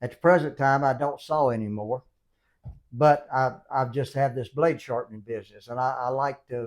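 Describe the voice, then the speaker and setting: In a Mississippi accent, a man talks at a medium pitch and a moderate pace. His intonation is fairly even, over a quiet background. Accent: southern US, Mississippi. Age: 70s. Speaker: blade sharpening tradesman. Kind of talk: casual tutorial.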